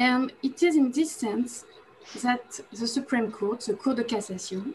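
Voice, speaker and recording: Light background noise sits behind a woman with a French accent. She speaks at a high pitch and a fairly slow pace. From France. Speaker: law professor. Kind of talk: academic conference presentation. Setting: online webinar. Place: home room. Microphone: video call.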